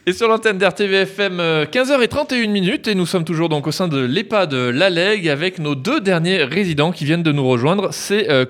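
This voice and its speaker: Fields: radio host man, fairly high voice. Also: expressive, brisk, few pauses, a bit bright. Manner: friendly questioning with fillers. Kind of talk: radio interview. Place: nursing home.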